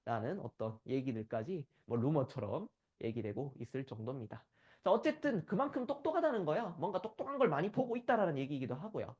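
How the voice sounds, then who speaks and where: A man from the Gyeongsang region delivers a conference lecture in a voice pitched a bit high that swings up and down with lively energy. He keeps turning to the audience for agreement. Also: fast, muffled recording. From Gyeongsang region, South Korea. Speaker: conference speaker.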